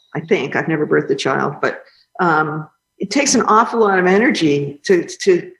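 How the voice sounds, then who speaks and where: Delivered at a moderate pace, this normal speaking voice with an American accent has ordinary pitch variation. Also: woman. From Massachusetts. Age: 60s. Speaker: mosaic artist. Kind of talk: radio interview.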